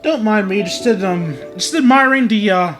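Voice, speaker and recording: A man's voice: high-pitched, moderate pace. A man doing joking livestream game commentary in a wry, theatrical, self-deprecating manner. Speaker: game streamer. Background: game music.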